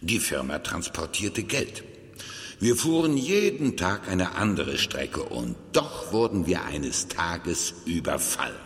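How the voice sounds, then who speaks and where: Casting: ex-security guard in audio drama, low voice, deliberate telling, long reverb. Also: male voice, very animated, fairly bright tone, full character voice. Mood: grave recollection. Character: former armored-car guard recounting an old robbery. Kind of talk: German audio drama acting.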